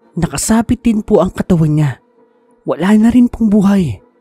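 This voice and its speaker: With music in the background, a man speaks in a dramatic tone at a moderate pace, his pitch swinging very widely, in a dry, close sound with no echo. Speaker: horror story narrator. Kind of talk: ghost story telling, narrated first-person horror tale with dialogue. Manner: hushed, suspenseful, dramatic pacing with tense, urgent delivery in the frightened scenes; polite, formal-toned storytelling, shifting between narration and character voices.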